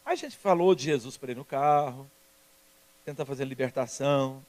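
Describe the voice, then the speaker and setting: A man preaching a sermon as pastor, telling personal stories in an emphatic, lively way. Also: medium pitch, normal speed.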